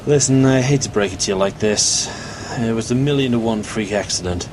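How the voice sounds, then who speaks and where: Actor as a low-voiced police detective. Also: male voice, moderate pace, noisy background, lightly acted. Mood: somber. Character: somber, apologetic police detective. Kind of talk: radio drama acting.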